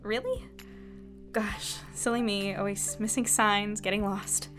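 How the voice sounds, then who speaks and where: A woman's voice: medium pitch, steady tone, a little slow, over music, natural voice. A woman playing an earnest, curious young journalist in a fiction podcast, polite and a little hesitant. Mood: flustered, evasive. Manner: hesitant, stammering when caught out, polite. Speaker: newspaper editor and narrator. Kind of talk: fiction podcast acting and narration.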